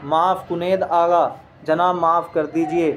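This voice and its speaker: A man's voice: on the high side, flat delivery, measured pace, faint music behind. A man teaching a lesson. He reads each Persian phrase aloud, then patiently explains and translates it word by word, repeating key points.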